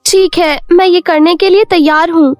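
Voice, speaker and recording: A woman plays a vain, hot-tempered young princess from a cartoon fairy tale. Her voice is very high and close, with little room sound. She speaks in a haughty, demanding way over faint music. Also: steady tone, moderate pace, no room sound. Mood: determined. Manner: haughty, self-admiring, demanding. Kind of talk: cartoon moral-story character voice.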